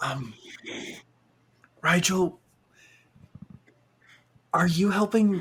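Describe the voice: The put-on character voice sits at a middle pitch and sounds raspy.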